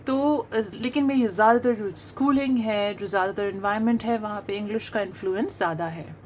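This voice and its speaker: A woman's voice: medium pitch, brisk, a little mellow, a little hiss or hum. Earnest woman explaining language teaching. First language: Hindi-Urdu. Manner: earnest and explanatory, with many hesitations and English phrases mixed in. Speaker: English accent trainer. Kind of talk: talking-head monologue on language teaching.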